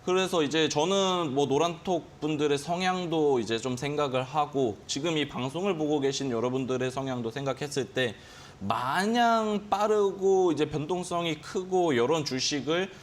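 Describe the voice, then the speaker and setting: A man's voice: fairly high pitch, moderate pace, slight background noise. A man teaching day trading on a finance show, explaining at length and acting out his own gut reactions with quoted exclamations. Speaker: stock trading instructor. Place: broadcast studio.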